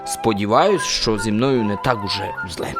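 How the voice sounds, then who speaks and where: A man's voice: on the low side, animated, normal speed, loud music behind the voice. A man acting in a radio drama as a good-natured, naive, chatty soldier who is deferential and folksy while being questioned. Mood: innocently cheerful. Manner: deferential, rambling, folksy politeness.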